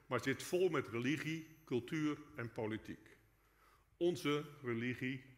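A man's voice: mid-range voice, a bit bright. Man preaching in an echoing church. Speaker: preacher, guest speaker in a church. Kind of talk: sermon read from a prepared text. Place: large church hall, indoors. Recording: echoey church hall with long reverb.

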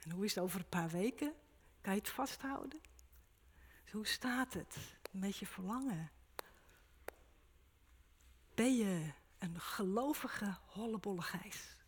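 A woman's voice: mid-range voice, lively intonation, measured pace, pauses often, breathy edge, long reverb tail. A woman preaching a sermon at a church service, speaking in short, emphatic, repeated phrases.

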